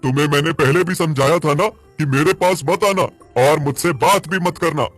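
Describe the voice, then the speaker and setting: A man voicing a jealous, grumpy black bull with a soft heart in a cartoon story, speaking in an emphatic, indignant manner. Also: a little high, normal speed, faint music behind, pitched above the performer's own voice. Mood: angry, scornful. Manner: indignant, scolding, emphatic questions.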